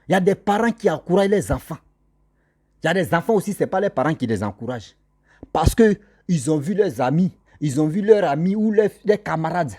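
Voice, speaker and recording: Man, husky voice, moralizing monologue, scolding tone, talks straight to viewers. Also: fairly high pitch, darkish tone. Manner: scolding, repetitive, addresses listeners directly. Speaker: social commentator.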